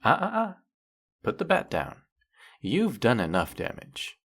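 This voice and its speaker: A man's voice: mid-range voice, wildly swooping pitch, unhurried, vocal fry, fairly bright tone, heavily acted. A man playing a teasing, sarcastic, flirtatious male faerie in a scripted roleplay monologue, scolding the listener with dry, theatrical playfulness. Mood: scolding, playful.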